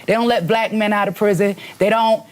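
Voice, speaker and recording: A woman's voice: mid-range voice, fairly even intonation, brisk. A woman guest on a studio panel show, arguing insistently and repeating her points in a heated debate.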